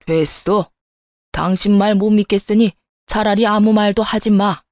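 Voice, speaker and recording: 여성이 연기하는 호통치는 시아버지. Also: female voice, mid-range voice, steady tone, a little slow, darkish tone, no room sound, clean studio sound, close to an everyday voice. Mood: furious. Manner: scolding, harsh and commanding. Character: angry older man, stern father-in-law.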